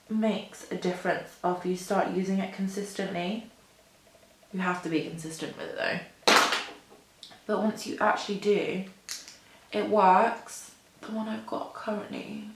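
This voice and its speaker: A woman's voice: on the low side, reverberant, rough recording. A woman in her twenties, rambling casually to camera while doing her makeup at a mirror, full of "like" and "um" and self-deprecating asides. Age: 20s. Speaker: beauty vlogger. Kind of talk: chatty get-ready-with-me rambling. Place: indoor room at a mirror.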